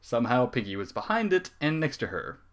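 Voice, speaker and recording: A man's voice: mid-range voice, very animated, brisk, fairly bright tone. A man reading a comic fan story aloud as a dramatic narrator. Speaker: story reader.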